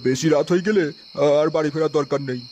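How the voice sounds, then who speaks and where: A man's voice: fairly high pitch, quick pace, darkish tone, a little hiss or hum, close to an everyday voice. A man playing a stern, suspicious father in a comic cartoon, with a commanding, distrustful manner. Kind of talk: exaggerated comic cartoon dialogue.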